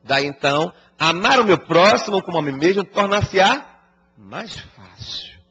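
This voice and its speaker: A man tells a moral story in a colloquial, humorous way, his voice husky and fairly high. His pitch swings animatedly as he talks. The recording is dull and lo-fi. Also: lively intonation, a little slow, sharp tone. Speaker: spiritist lecturer. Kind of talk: storytelling lecture. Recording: dull lo-fi broadcast audio.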